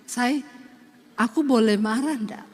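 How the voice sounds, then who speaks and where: A woman voicing her gentle, soft-spoken husband from Solo, speaking politely in a low, falling tone. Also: slow. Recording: long hall reverb, faint noise.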